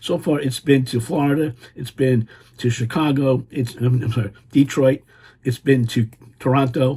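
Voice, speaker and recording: A man's voice sits at a medium pitch with a dark, mellow tone. It is somewhat breathy. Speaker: documentary filmmaker and video host. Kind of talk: casual vlog talk with sponsor plugs. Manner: fast; halting, many repeated words and fillers.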